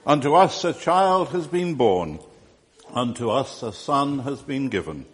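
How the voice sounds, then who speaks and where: A man with a mid-pitched voice speaks from the front of a church. His lines hang in the air with a long cathedral-like echo, and his delivery is light. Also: very animated, measured pace. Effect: long churchlike reverb. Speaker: church service leader and quiz scorekeeper. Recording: long reverb in a large church.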